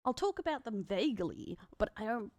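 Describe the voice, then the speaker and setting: A woman's voice: on the high side, very animated, brisk, a little mellow, no echo. A woman with an Australian accent giving casual, rambling streaming commentary.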